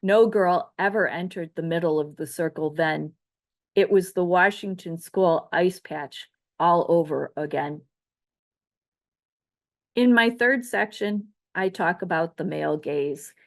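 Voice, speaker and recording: Middle-aged woman reading her memoir. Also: on the low side. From Chicago area, United States. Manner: measured, reflective delivery of a prepared text. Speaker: author. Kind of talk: reading her own memoir essay aloud.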